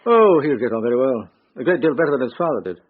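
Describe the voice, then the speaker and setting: An actor playing a proud, aggrieved middle-aged country squire in a period radio drama, formal and stiff. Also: male voice, mid-range voice, sing-song, quick pace, breathy edge. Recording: thin, tinny radio recording.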